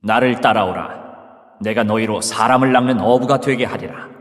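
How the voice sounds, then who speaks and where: A man's voice: fairly low pitch, moderate pace, lightly acted. An actor playing a solemn grown man who speaks with authority in a dramatized scripture reading. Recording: long reverb.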